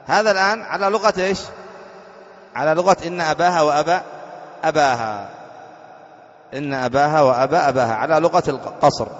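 Recorded lo-fi in a large hall, a sheikh with a slightly high voice leads an Arabic grammar class. He reads the text slowly, explains it, and puts questions to his students.

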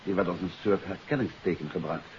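An actor playing a confident detective who explains a case in an assured, emphatic way, in 1950s radio drama style. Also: male voice, sits low, fairly quick. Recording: dull, hissy 1950s radio recording.

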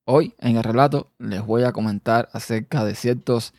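A Cuban-accented man talks through a personal podcast episode on his own. He is a quick talker who now and then stumbles over a word. His voice sits at an ordinary middle pitch in a dry room with no echo. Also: fairly even intonation, darkish tone. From Cuba. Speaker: podcast host.

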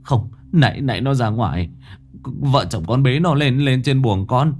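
A man's voice: medium pitch, quick pace, voice pushed up, close to an everyday voice. Brief: distraught father, wails and stammers, a male narrator puts him on. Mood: stammering panic. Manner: wailing, stammering, panicked shouts. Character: grief-stricken young father, frantic and sobbing.

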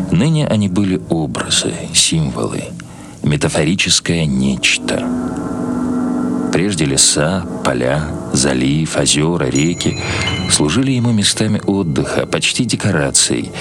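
A man reading a novel for radio as an actor, with measured, expressive literary narration. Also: a bass voice. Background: music.

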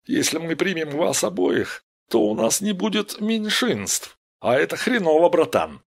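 A man voicing a loud gang of young male thugs who shout and swear. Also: high voice, huge pitch swings, normal speed, vocal fry, husky, voice pushed up, full character voice. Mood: jeering.

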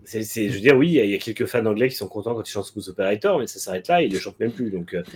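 A man's voice: lowish voice, expressive, racing, a little mellow, husky. A man co-hosting a motorsport talk show, giving frank, blunt opinions with many hesitant fillers. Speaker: motorsport podcast co-host. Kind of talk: casual opinionated chat.

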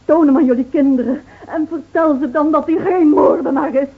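An actress playing a grieving, devoted middle-aged village wife in a Dutch radio drama, speaking in a solemn, measured, pleading way. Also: female voice, sits high, natural voice. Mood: urgent pleading. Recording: tinny, narrow-band old radio recording.

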